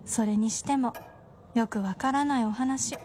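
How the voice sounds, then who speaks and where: 上品な言葉遣いで夫をからかう作家の妻を演じる女性俳優。ラジオドラマの芝居。. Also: female voice, on the high side, unhurried, warm tone, a little hiss or hum, lightly acted. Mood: wry. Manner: polite, teasing, genteel speech. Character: refined wry wife of a novelist. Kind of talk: radio drama acting.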